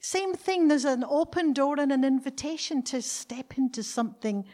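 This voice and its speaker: A woman reading scripture and preaching in short phrases that pause for an interpreter. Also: high-pitched, mellow. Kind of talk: sermon with live translation.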